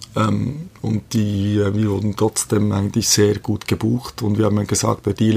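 This man talks at a moderate pace in a fairly low, somewhat breathy voice. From Switzerland, Bern. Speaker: app product owner. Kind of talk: interview. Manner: hesitant, many fillers.

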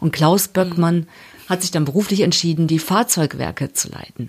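A woman with a plain, everyday voice and a fairly low pitch talks at a moderate pace with ordinary pitch variation. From northern Germany, Oldenburger Münsterland. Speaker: podcast host, radio presenter. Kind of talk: interview.

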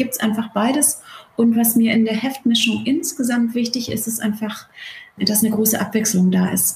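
Here a woman speaks in an unremarkable speaking voice, with fairly high pitch. Her pace is moderate and her intonation fairly even. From Bavaria, Germany. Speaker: children's magazine editor-in-chief. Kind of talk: interview.

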